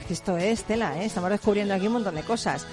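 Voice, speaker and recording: A woman hosting a radio talk show, speaking with bright enthusiasm and exclamations as she introduces a guest. Faint music sits under her voice. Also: mid-range voice, fast. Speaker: host. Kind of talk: radio interview.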